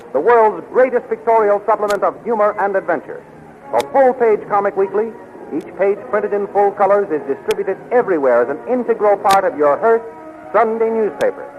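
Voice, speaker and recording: Thin old radio sound, high-pitched male announcer, formal, declamatory, dramatic 1930s serial narration. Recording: tinny, noisy 1930s radio recording.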